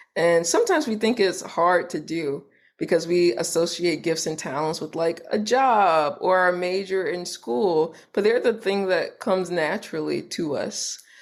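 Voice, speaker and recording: Speaking with an American accent, a woman keeps a moderate pace and hardly pauses. Her pitch is fairly low and varies in an ordinary way. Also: very clean recording, silent background. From Richmond, Virginia, US. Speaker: pageant titleholder and singer. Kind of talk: interview.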